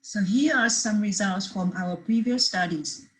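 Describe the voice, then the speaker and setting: A woman's voice: mid-range voice, measured pace, rough recording. A woman presenting a research paper at a conference, reading steadily from prepared slides with the odd restart.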